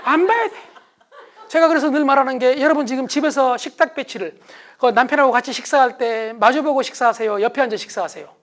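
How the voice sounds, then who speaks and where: A man's voice: very high voice, quick pace. A middle-aged man giving a motivational lecture to an audience, acting out quarrels in a raised voice. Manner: animated, acts out quarrels in raised voice.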